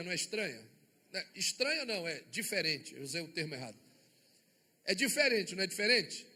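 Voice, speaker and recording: A man's voice: high-pitched, pushed and bright. A man with a Brazilian accent, a bishop preaching a sermon and firing rhetorical questions at his congregation. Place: church sanctuary before a congregation. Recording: long church reverb.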